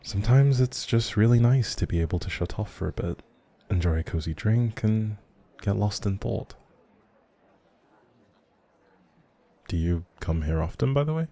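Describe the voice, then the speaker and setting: A man's voice: lowish voice, expressive, moderate pace, gravelly, mellow. A man playing a shy, socially anxious but friendly young writer in an intimate audio roleplay, rambling hesitantly and apologetically to the listener.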